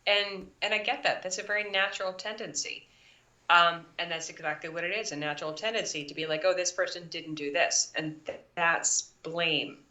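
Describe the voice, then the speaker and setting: A woman's voice: on the low side, steady tone, normal speed, bright, forceful tone. A woman chiropractor on a live video call, coaching new practitioners in an emphatic way and acting out quotes. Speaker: chiropractor guest. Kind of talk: live online interview. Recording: echoey, distant, dull audio.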